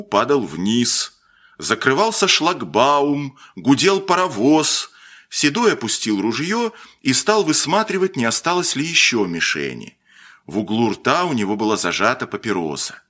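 Male narrator, mid pitch, very lively intonation, measured storybook delivery. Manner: expressive, measured reading with shifts in pitch for emphasis.

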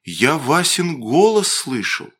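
A man voicing a bold, steady village boy who speaks in a measured, deliberate way. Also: on the high side, husky, full character voice. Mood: calm, grave. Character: bold, steady peasant boy, calm and fatalistic.

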